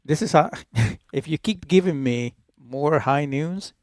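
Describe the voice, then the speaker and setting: A Puerto Rican-accented man hosts a studio chat, teasing his co-hosts. His voice sits a little high. The recording is dry and close. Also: unhurried, darkish tone, no echo. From Puerto Rico. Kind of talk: casual chat.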